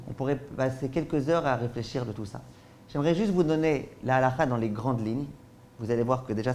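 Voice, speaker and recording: A man's voice: medium pitch, a little mellow, a little hiss or hum. A man, a rabbi, giving a spoken lesson on Jewish law, explaining through rhetorical questions and acted-out everyday examples, often checking that listeners follow. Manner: frequent checks with listeners ("d'accord?").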